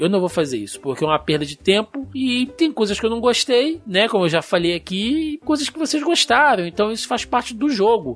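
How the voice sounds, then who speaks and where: Pitched high, a man's voice swings very widely in pitch while he keeps a moderate pace. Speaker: podcast host. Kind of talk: casual chat. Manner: animated.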